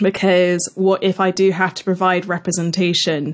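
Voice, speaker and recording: A woman speaks with a British accent at fairly low pitch. The recording is very clean and the background silent. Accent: received pronunciation British. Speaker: science communicator. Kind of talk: casual interview chat.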